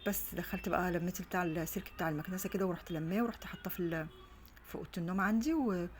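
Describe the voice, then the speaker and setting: Speaking rapid-fire in a fairly low voice, this middle-aged Egyptian vlogger and mother rambles through a casual home vlog with many restarts. Her Egyptian Arabic is captured indoors by a phone on a stand, with a little hiss or hum.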